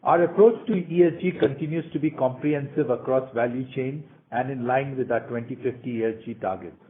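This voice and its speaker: A man's voice: medium pitch, fairly quick. A man in the role of a company executive, formally reading prepared remarks for an earnings call presentation. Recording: tinny, narrow phone conference line.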